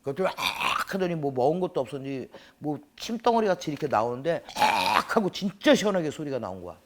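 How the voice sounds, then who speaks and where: A man recounting a true exorcism experience, acting out the dialogue and dropping to hushed tones at tense moments. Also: on the high side, very fast. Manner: animated, acts out dialogue, drops to hushed tones. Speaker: exorcist storyteller. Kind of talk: recounting a true horror story. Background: background music.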